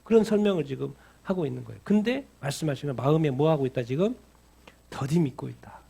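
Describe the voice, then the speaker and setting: A man's voice: on the high side, animated, quick pace, vocal fry, mellow, slightly rough. A male pastor preaching a sermon, asking the congregation questions and answering them himself, repeating phrases for emphasis.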